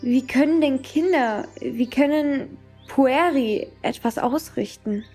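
A woman playing an awed young girl in a German audio drama, questioning in a halting, earnest way. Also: high-pitched, dark tone, slightly rough, exaggerated voice. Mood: awed, doubting. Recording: music under the voice.

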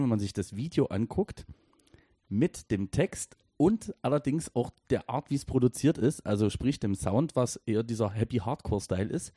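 A man's voice: on the low side, warm tone, slightly rough, no room sound, studio quality. A man from Dresden in his thirties, co-hosting a casual podcast chat in a rambling, hesitant way full of fillers and restarts. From Dresden, Germany. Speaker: podcast co-host and editor.

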